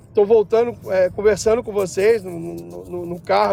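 At a moderate speed, the voice carries a dark, mellow tone. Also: man. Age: 40s. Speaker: plastic surgeon. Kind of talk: casual chat.

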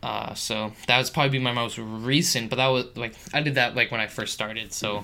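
Rattling along at a very fast pace, a man with a Canadian accent keeps his intonation fairly even. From Vancouver Island, British Columbia, Canada. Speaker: podcast host, electrician. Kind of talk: casual chat.

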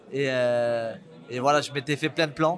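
The speech comes at a fairly slow pace with fairly even intonation against noticeable background noise. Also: man. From southern France, Montpellier. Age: 20s. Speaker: MMA fighter. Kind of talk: interview. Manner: halting.

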